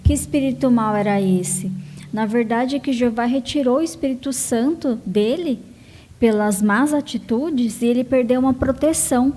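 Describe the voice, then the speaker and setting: Mulher de voz um pouco aguda comentando no salão. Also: female voice, fairly high pitch, normal speed, mellow. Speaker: congregation member commenting. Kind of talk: audience comment at a Bible study. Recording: hall reverb.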